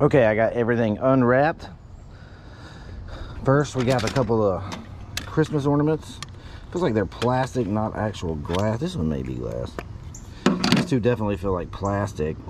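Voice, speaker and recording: Long, frequent pauses in a dry sound with no echo, over noticeable background noise. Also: moderate pace. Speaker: reseller. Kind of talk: casual unboxing vlog chat. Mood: cheerful, friendly. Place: street. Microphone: phone near.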